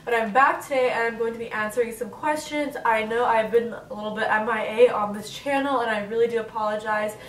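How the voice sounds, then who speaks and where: A stuffy-nosed vlogger in her twenties chats to camera on her bedroom bed for a Q&A, nasal and chatty, dropping "like" everywhere. Her voice sits on the high side, steady and brisk with few pauses. Poor audio: reverberant, distant mic, a little hiss or hum.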